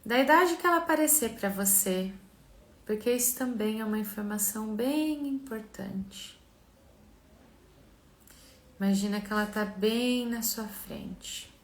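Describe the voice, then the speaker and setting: A Brazilian woman leads a guided relaxation and visualization in a slow, gentle, soothing manner with long pauses. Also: fairly high pitch, animated. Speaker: mentor and therapist leading a live session. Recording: echoey room sound.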